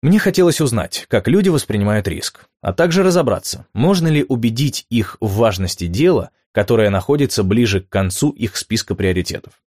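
A man narrating nonfiction in a measured, clear storytelling manner, posing rhetorical questions along the way. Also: fairly low pitch, animated, a little mellow, no room sound, studio quality. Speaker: audiobook narrator.

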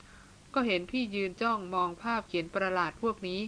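A woman reading as a soft-spoken worried young man. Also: sits high, moderate pace, a little hiss or hum. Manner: soft, hushed.

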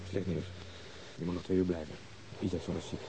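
An actor playing a bitter, bossy police detective in a radio drama, stern and cutting in manner. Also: male voice, deep voice, level tone, brisk, background noise. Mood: stern, impatient.

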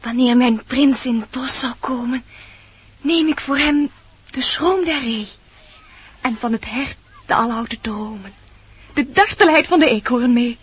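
An actress voicing an innocent, dreamy young maiden of the forest, speaking earnest lyrical verse in a radio play. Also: female voice, fairly high pitch, unhurried, long pauses, breathy edge. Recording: dull old radio recording.

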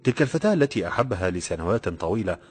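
A man narrating a novel in a steady, measured storytelling voice. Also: deep voice, husky, soft background music. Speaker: audiobook narrator. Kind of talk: scripted narration.

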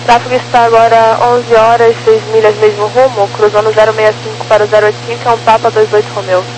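Fast-talking woman controller over walkie-talkie radio. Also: a little high, little pitch movement. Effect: voice over walkie-talkie style radio. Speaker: air traffic controller. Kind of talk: clipped air traffic control instructions. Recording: noisy radio with hum.

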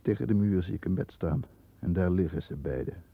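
An actor playing a tense, calculating London lawyer who narrates his own dark thoughts in a deliberate, dramatic 1960s radio play style. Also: sits low, no room sound. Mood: tense, watchful. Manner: dramatic, deliberate, halting under strain. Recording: dull lo-fi 1960s radio recording.

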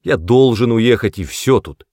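Narrator plays a brusque, self-important young brother, loud and sharp; dry close read. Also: male voice, medium pitch, animated, unhurried, dry recording, voice pushed up. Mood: angry. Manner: sharp, snapping, louder than the narration. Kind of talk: audiobook character voice.

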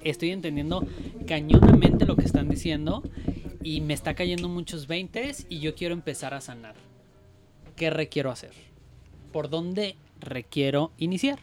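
Higher-voiced man asking questions. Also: moderate pace, over loud music. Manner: asks questions, voices a listener. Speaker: podcast host. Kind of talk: casual interviewing.

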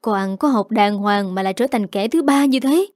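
Angry middle-aged mother, scolding hard, mellow low-toned delivery, read by a woman narrator. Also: fairly quick, no echo, clean studio sound, natural voice. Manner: scolding, sharp rebukes.

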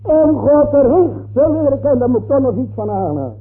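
A man preaching a slow, emphatic sermon, repeating his phrases for weight. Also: very high voice, big pitch swings, husky. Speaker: pastor. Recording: tinny lo-fi old sermon tape.

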